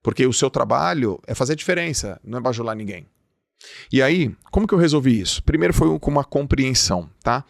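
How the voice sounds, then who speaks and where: Gravelly Brazilian man, motivational podcast host. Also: medium pitch, lively intonation, a little fast, dry recording, studio quality. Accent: Brazilian Portuguese. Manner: emphatic, acts out quoted dialogue. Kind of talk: motivational talk. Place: podcast studio.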